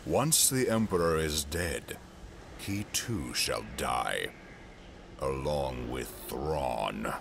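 Cold imperial governor, played by a man, bass-heavy and measured, swinging in pitch, formal sci-fi audio drama villain. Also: lively intonation, creaky, background noise, heavily acted. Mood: cold, scheming.

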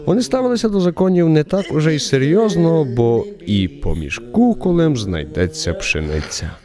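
A man narrating a radio drama in an expressive, wry, literary storytelling style. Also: fairly high pitch, normal speed, crowd noise.

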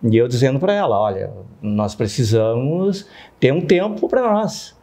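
Mellow-voiced man in his fifties. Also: mid-range voice, very animated, a little slow. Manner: frequent tag questions seeking agreement. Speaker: interview guest. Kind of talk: conversational personal testimony.

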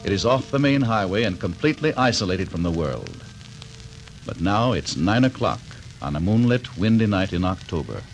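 A man narrates an old radio mystery serial with ominous drama, his pitch swinging widely. Faint music sits under the vintage broadcast. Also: big pitch swings, moderate pace, low-quality recording. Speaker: announcer and narrator. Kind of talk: 1940s radio announcing.

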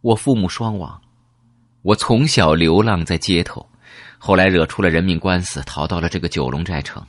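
A man voicing a ruthless, scheming young gang leader in an audiobook, confessing quickly and coldly. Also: low-pitched, no echo, clean studio sound.

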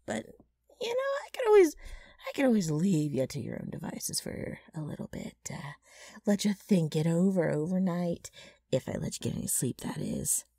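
A woman playing a brash, mischievous ghoul with a rough, gravelly voice and a wheedling, sardonic manner in an ASMR roleplay. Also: fairly low pitch, big pitch swings, normal speed, mellow, no echo, studio quality, heavily acted. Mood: scheming, coaxing. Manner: wheedling, sardonic, drawling with abrupt swings.

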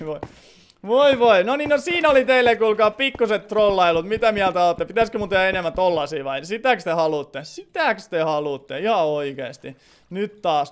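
Man, game streamer, casual play-by-play, playful, chatty, fond of filler words, high pitch. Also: clear, resonant tone. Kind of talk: casual livestream game commentary.

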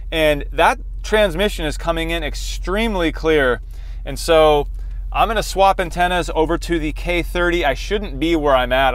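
A man's voice: on the high side, fairly bright tone, dry recording. A man in his forties hosting a casual product test, talking in a conversational way from inside a car. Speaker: host. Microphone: lapel mic.

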